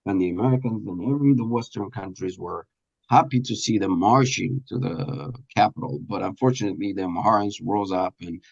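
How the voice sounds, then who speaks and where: A man being interviewed, explaining earnestly in a halting, deliberate way with pauses mid-sentence. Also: on the low side, gravelly, breathy edge, highs cut off. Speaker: radio presenter and producer being interviewed.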